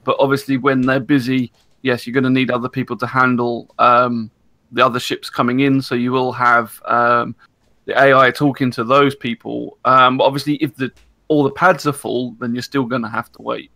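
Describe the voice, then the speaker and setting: A man with a gravelly, bright voice chats on a casual gaming podcast, teasing the others and explaining game details. The sound is dry and close. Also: medium pitch, little pitch movement, moderate pace, dry recording.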